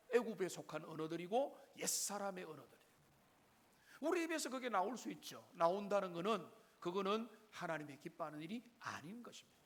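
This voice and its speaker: A man's voice: high-pitched, a bit bright. A man preaches a Sunday sermon in his church. He speaks straight to the congregation. He asks them question after question. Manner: preaching with frequent direct address to the congregation and rhetorical questions. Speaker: pastor. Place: church sanctuary.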